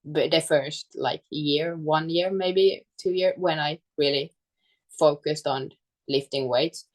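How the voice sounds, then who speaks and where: A woman with a low voice and a Finland-Swedish accent talks as a guest in a casual interview. She goes slowly, halting to find her words in English, which is second to her native Swedish. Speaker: guest, fitness coach.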